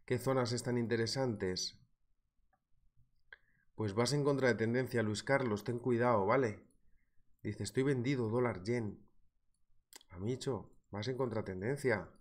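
A man's voice: mid-range voice, measured pace, pauses often. A man in his thirties with a Spanish accent from Spain, hosting a live trading webinar from a small room, talking through a sore throat from a cold. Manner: lively, chatty, addresses viewers directly. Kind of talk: live market analysis webinar, reading viewer comments. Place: small indoor room at a desk.

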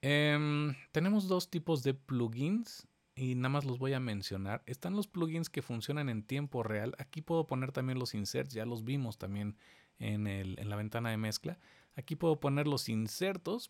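Guy walking you thru a software tutorial, kinda gravelly voice. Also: medium pitch, expressive, moderate pace. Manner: explains step by step, addressing viewers directly. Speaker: instructor. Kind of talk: screen-recorded software tutorial.

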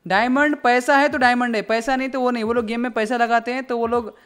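High-pitched young Indian man, casual gamer chat. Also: fairly even intonation, quick pace, a bit bright, clean tone, soft background music. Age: 20s. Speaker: gaming YouTuber hosting. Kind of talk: casual prank-call chat. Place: small gaming room indoors. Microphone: boom-arm studio microphone up close.

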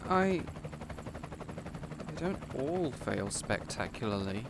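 A man playing an anxious, well-meaning but inept young would-be supervillain in an audio roleplay, flustered and quick to blame himself. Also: medium pitch, very animated, vocal fry, noisy background, heavily acted. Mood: panicked, hushed. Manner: flustered, self-blaming, urgent.

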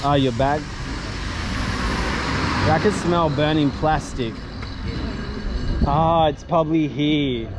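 A man's voice: on the high side, slow pace, long pauses. A man walking and chatting as a travel vlogger outdoors, laughing often and dropping in a few Spanish greetings. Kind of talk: casual walking commentary. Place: outdoors on a sunny residential street. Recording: street noise behind.

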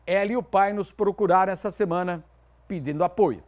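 A man in his forties with a Southern Brazilian accent, presenting sports news in a TV studio with lively, emphatic delivery. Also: high voice, fairly quick. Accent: Southern Brazilian Portuguese.

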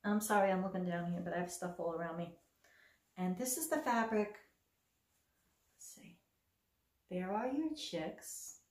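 A woman's voice: medium pitch, reverberant. A middle-aged woman chatting casually and enthusiastically as she shows her cross stitch projects, with a self-deprecating humor. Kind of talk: casual show-and-tell chat. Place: home craft room.

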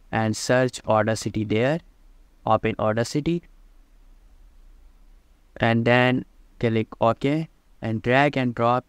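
Man, tutorial voice-over, smooth clear tone, dry close sound, plain step-by-step delivery. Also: mid-range voice, no room sound. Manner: plain step-by-step instructions, slightly halting phrasing. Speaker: tutorial presenter. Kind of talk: screen-recorded software tutorial. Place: at a computer, voice-over of screen recording.

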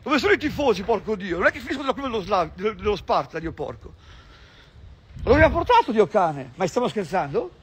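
A man, vlogging outdoors on a city street, agitated and swearing constantly, repeating himself with bursts of shouting. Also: sits high, very animated, quick pace, husky. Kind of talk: ranting street vlog.

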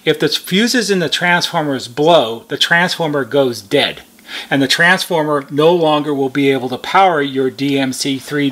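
A man's voice: fairly high pitch, a bit bright. A middle-aged American man, a repair technician giving a methodical, explanatory step-by-step how-to demonstration.

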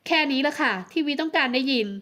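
A woman's voice: high voice, fast talker, fairly bright tone. A woman voicing a heartbroken, jealous young woman. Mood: tearful. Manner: emotional, tearful pleading. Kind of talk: audiobook romance novel acting.

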